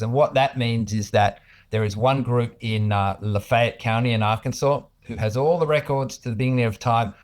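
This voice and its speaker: A man with an Australian accent speaking as an executive guest in an informal business interview, explaining things in a hesitant, conversational way. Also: mid-range voice.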